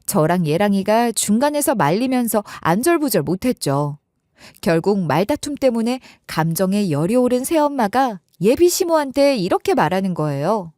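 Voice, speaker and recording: A woman's voice: mid-range voice, big pitch swings, normal speed, a little mellow, no room sound, studio quality. A young woman telling a first-person story in a chatty, conversational way.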